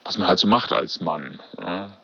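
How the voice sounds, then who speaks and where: A man's voice: sits low, animated, normal speed, bright, forceful tone, slightly rough, no room sound, dull audio. A man telling a story in a dry, matter-of-fact way, with lots of fillers. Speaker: caller sharing a date story. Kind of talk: recorded anecdote, casual telling.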